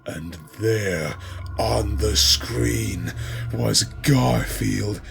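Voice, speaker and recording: Man, storyteller, dramatic comic narration, grandiose, mock-epic, creaky voice, unhurried pace. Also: on the low side, fairly bright tone, a little hiss or hum.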